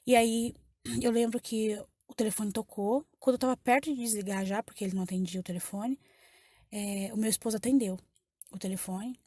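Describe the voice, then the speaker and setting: This woman's medium-pitched voice is steady, brisk, darkish and slightly rough, captured in a dry, clean studio recording. With a Brazilian Portuguese accent, she delivers an emotional personal testimony to a church congregation, repeating phrases as she tells her story.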